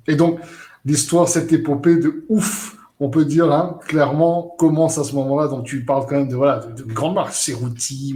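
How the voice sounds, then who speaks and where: A man hosting an interview, his voice sitting slightly higher than most men's. He reacts with quick enthusiasm and keeps prompting his guest with short asides. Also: darkish tone. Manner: enthusiastic, frequent short backchannels. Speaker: host.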